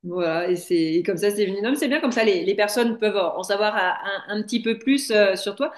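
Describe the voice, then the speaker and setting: A woman's voice: mid-range voice, fairly quick. A woman host asking curious, encouraging questions in a casual interview. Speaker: show host. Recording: roomy echo.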